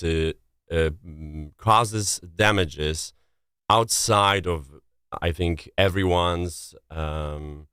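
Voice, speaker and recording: A man from Poland with a thick Polish accent, answering interview questions carefully and haltingly as he searches for words. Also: sits low, a bit bright, clean tone, dry recording, studio quality. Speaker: interview guest, relief coordinator.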